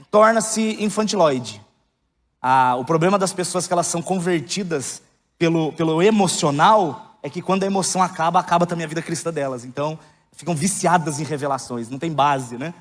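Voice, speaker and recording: A man in his thirties preaching a candid, joking sermon that builds to loud, emphatic outbursts. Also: sits high. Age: 30s. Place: church hall. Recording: long hall reverb.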